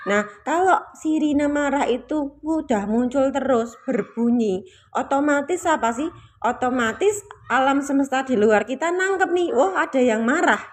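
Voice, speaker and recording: A woman's voice: high voice, lively intonation, measured pace. A woman giving a reflective spiritual talk to her listeners, patient and explanatory, often repeating her key points. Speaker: spiritual teacher.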